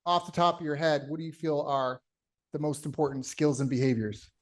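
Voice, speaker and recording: A man's voice: a little high, fairly quick. A man hosting a casual interview podcast, enthusiastically recapping and praising his guest's points. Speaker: podcast host.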